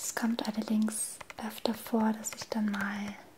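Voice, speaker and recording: Soft-spoken and gentle in tone, a woman talks at a very slow pace over light background noise. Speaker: beauty vlogger. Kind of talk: casual makeup product review. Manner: soft, gentle ASMR speaking voice. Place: home room. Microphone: camera far.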